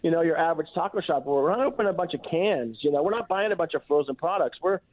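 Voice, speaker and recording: A man's voice: a little high, lively intonation, quick pace. A man who is a chef and restaurant owner, talking casually as a radio interview guest, with lots of restarts and "you know"s. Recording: tinny phone-line audio.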